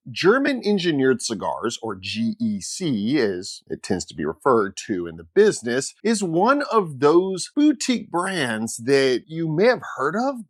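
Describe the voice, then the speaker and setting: An enthusiastic man hosting a cigar video, reading a playful scripted intro. His pitch rises and falls a lot. The sound is dry and close, with no room echo. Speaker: cigar shop host.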